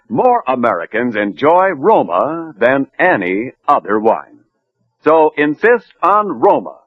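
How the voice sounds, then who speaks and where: A man announcing a wine commercial in smooth, persuasive 1940s radio style. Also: dry recording. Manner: smooth, persuasive pitchman delivery. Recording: dull, dry old radio broadcast.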